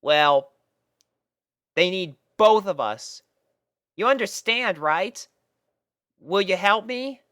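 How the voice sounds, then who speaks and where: A storyteller voicing a brash, caring, excitable cartoon pegasus pony mare with emphatic, drawn-out announcements. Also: mid-range voice, dry recording, studio quality, voice pushed up. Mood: tender, pleading.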